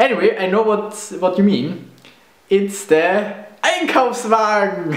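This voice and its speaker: Audible room echo surrounds a man with a German accent. His pitch is high. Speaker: vlogger. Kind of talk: casual talk to camera. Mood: playful, amused. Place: home room. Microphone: webcam.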